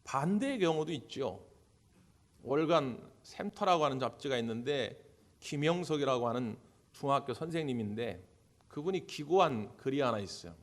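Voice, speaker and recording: A man's voice: mid-range voice, animated, normal speed. A male pastor preaching at a church service, telling stories, acting out the people in them, and putting questions to the congregation. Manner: storytelling, acting out quoted voices. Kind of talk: sermon.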